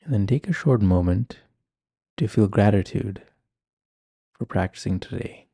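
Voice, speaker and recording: A man leading a guided meditation in a calm, gentle, measured manner. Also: fairly low pitch, creaky, slightly rough, dry recording. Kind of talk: guided meditation, ASMR-like instruction.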